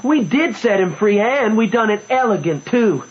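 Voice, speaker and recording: A woman playing an excitable, proud, adventurous country boy in a radio drama. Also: medium pitch, normal speed, muffled recording, lightly acted. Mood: eager, boastful. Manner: boastful, folksy, eager.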